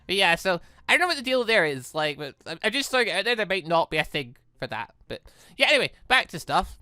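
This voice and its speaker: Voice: mid-range voice, big pitch swings, quick pace, bright, forceful tone, no room sound, studio quality. A gaming video host giving casual, rambling commentary, thinking aloud while playing.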